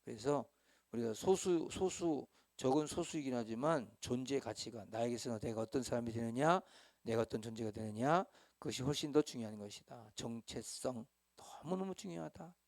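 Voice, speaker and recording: Speaking at a moderate pace in a mid-range, darkish voice, this middle-aged man is a senior pastor instructing small-group leaders in a church hall. Chatty by nature, he dramatizes quoted dialogue and keeps prompting the group for responses.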